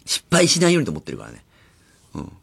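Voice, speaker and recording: A radio host in his forties chats casually at a studio mic, wandering from thought to thought. His low voice swings up and down a lot as he acts out little scenes. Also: fast talker, gravelly, slightly rough. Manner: rambling, animated storytelling with acted-out asides. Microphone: studio microphone.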